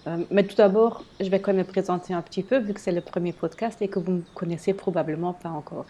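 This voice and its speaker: A woman in her late thirties with a German accent, a native German speaker, hosting a casual solo podcast and explaining in a slightly halting way. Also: lowish voice, fairly even intonation, warm tone, a little hiss or hum. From German-speaking area, living in eastern Belgium near the German border. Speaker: podcast host and blogger.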